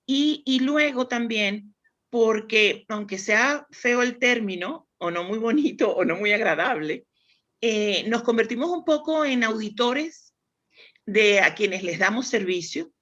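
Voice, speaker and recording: Bright-voiced Spanish woman explaining. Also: fairly high pitch, lively intonation, measured pace, lo-fi sound. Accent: Spanish from Spain. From Spain. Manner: thoughtful, explanatory, frequent restarts. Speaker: guest, demand planning expert. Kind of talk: conversational interview.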